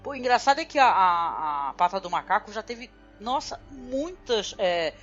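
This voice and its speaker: A woman's voice: medium pitch, animated, moderate pace. A woman from Brazil hosting a podcast in casual chat, talking loosely and filling constantly with little tag words. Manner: chatty, fills with "né" constantly. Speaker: podcast host. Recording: dull lo-fi audio with faint music.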